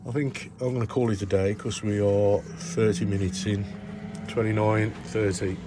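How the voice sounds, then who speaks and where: A man's voice: on the low side, flat delivery, normal speed, background noise. A man with a Black Country accent giving a casual, rambling video tour as a hobbyist vlogger, chatty and matey. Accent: Black Country English. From Black Country, England. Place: warm grow tent in a shed.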